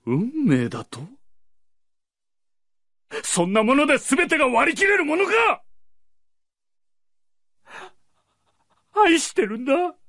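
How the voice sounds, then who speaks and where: A man's voice: extremely high pitch, big pitch swings, measured pace, fairly bright tone, dry recording, studio quality, full character voice. A man playing a guilt-ridden widowed nobleman and father in a radio drama, theatrical, pleading and impassioned. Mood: desperate. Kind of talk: Japanese radio drama acting.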